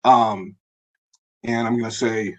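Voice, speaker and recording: A man with a hoarse, husky voice presenting a live software demo in a webinar, talking in a halting way with many fillers and restarts. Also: on the low side, fairly even intonation, highs cut off. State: hoarse, losing his voice.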